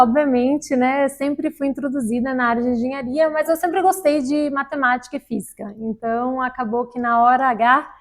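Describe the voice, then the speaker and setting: A woman, a guest engineer speaking unhurriedly with many fillers in a casual interview. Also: high voice. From Germany, raised in Brazil.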